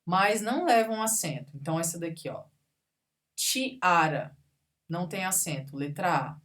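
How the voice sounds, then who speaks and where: A woman speaking on the low side, expressively and a little fast, leads a grammar class that was recorded. She goes patiently through examples word by word while checking on how her students are doing.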